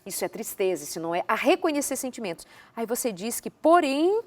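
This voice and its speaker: Brazilian woman, talk show host, measured questioner. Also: a little high, big pitch swings. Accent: Brazilian Portuguese. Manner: thoughtful, paraphrases the guest. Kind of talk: interview questions.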